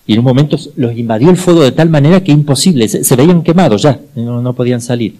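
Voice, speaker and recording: Older priest with a mellow voice. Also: male voice, quick pace, rough recording. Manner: storytelling, acts out voices with sudden high pitch jumps. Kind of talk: sermon.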